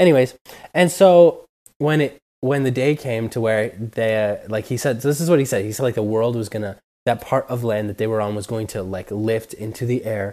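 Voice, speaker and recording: At a moderate pace, a man speaks in a dark, mellow tone with medium pitch and ordinary pitch variation. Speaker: host's brother, recurring guest. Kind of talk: casual chat. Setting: remote call. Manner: joking, laughs a lot.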